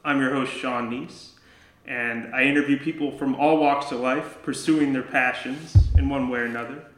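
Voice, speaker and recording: A man hosting a podcast interview, relaxed and a bit hesitant as he asks questions. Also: mid-range voice, moderate pace. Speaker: podcast host. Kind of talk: casual interview chat. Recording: echoey room.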